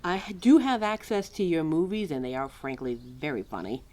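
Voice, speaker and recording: A woman playing a quirky, exasperated, motherly keeper of forgotten lore in an ad-libbed audio roleplay, chatty and wry with halting, musing asides. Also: low-pitched, darkish tone, lightly acted. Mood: informative, amused. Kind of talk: ad-libbed ASMR-style roleplay, talking to a listener.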